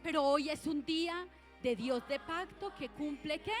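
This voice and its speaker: High-voiced woman pastor exhorting a church. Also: measured pace, faint music behind. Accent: Colombian Spanish. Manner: exhorting, asks the congregation questions. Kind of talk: sermon.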